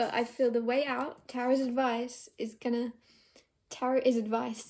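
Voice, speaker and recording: Mumbling in a put-on character voice, a woman holds a high pitch with monotone, flat intonation at a moderate pace. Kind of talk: casual, conversational. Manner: mumbling, tripping over words.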